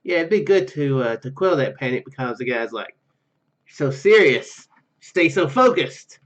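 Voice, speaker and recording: Higher-voiced man narrating a game, dull mic. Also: lively intonation, a little slow. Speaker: gaming video host. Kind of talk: reading game narration aloud with casual commentary. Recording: slightly dull, lo-fi microphone.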